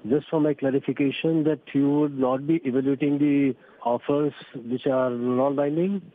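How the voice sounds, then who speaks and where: A man's voice: medium pitch, steady tone, moderate pace. A man calling in as a reporter to ask questions on a conference call, speaking politely. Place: phone call. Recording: tinny phone line.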